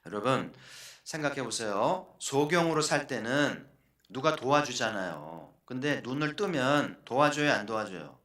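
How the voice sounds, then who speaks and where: A male pastor delivers an earnest sermon, often turning to his congregation with questions. His voice is bright and forceful at a middle pitch. The sound carries the echo of a church hall. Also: expressive, a little slow. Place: church sanctuary.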